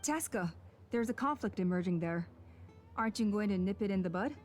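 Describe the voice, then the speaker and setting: A woman's voice: medium pitch, lively intonation, a little fast, a little mellow, soft background music, close to an everyday voice. Woman as a cool, calculating tribal official. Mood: cool, measured. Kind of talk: video game character dialogue.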